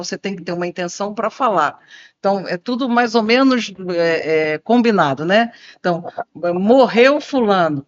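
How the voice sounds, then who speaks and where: Lady acting out intonation examples, mid pitch, dry dull sound. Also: dry recording. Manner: demonstrates intonation, lively shifts between low and high tones. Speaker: speech and voice expert. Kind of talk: explanatory conversation.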